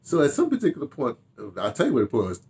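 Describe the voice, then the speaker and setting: An American man in his seventies reminiscing casually to camera in an animated, rambling way, with repeated phrases and asides. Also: on the high side, quick pace. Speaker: audio dramatist and theater director telling his memoirs. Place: small home study, indoors.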